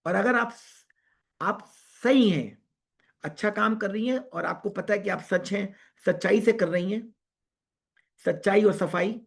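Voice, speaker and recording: Husky man lecturing earnestly. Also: sits high. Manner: earnest, repetitive, mixes English into Hindi. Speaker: psychiatrist speaker. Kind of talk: online lecture. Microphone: video call.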